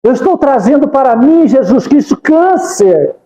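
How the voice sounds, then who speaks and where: A man with a high, mellow voice gives a devotional talk. He speaks in fervent, pleading prayers and keeps repeating the name of Jesus. His voice rings through a roomy hall with a long reverb. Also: very animated, a little slow. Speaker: spiritist lecturer. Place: spiritist center hall.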